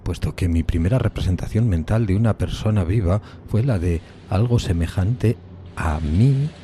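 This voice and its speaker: An actor playing a tormented, solitary outcast in a gothic horror audiodrama, speaking in a brooding, solemn, halting dramatic way. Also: male voice, low voice, warm tone, a little hiss or hum, close to an everyday voice. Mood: desolate, brooding. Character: tormented solitary outcast man recalling a decayed gothic castle. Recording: music bed behind the voice.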